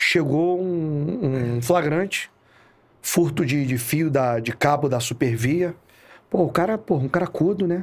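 This man speaks very slowly in a fairly high pitch, with ordinary pitch variation. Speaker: police inspector. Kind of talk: casual chat. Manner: talkative; animated.

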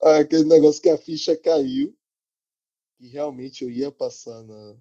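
The recording is dry and close, with no echo. A man talks fairly slowly in it. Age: 20s. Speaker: startup founder. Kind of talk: interview.

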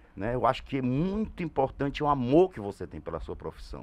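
At a fairly quick pace, a man speaks at medium pitch with very wide pitch swings. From Ceará, Brazil (Russas). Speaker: comedian. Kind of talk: casual interview.

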